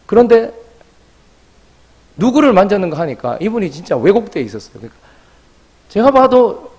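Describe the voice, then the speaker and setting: A man's voice: high-pitched, normal speed, husky. A man preaching a sermon as pastor, telling a story and acting out the voices of people in it. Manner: animated, acts out quoted voices.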